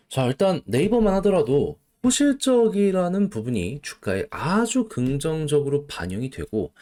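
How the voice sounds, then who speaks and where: Animated man explaining stock market moves. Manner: animated, rhetorical questions, emphatic pitch swings. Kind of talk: solo market commentary.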